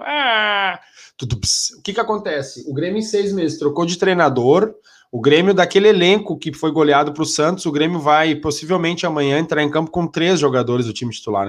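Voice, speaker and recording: A man talks sports with a stuffy, nasal voice from rhinitis. He rambles, restarts his sentences and keeps tagging them with questions. His voice sits fairly high for a man. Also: fairly quick. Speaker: sports commentator. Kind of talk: casual sports talk.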